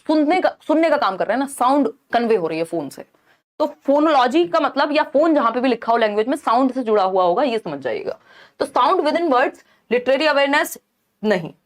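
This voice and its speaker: A young woman with a high voice teaches an exam-prep lesson. She walks through each answer by restating it and asking rhetorical questions along the way.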